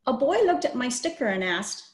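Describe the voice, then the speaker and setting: Higher-pitched woman reading aloud, echoey room. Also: big pitch swings, brisk. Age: middle-aged. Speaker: host reading a children's book. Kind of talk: picture book read-aloud. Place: plain small room, indoors. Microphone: video call computer microphone. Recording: roomy, echoey video call.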